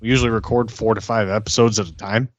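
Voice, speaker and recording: A man chatting casually as a game podcast player, halting and rambling a little. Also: on the low side, steady tone. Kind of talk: casual chat. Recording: roomy, dull lo-fi mic.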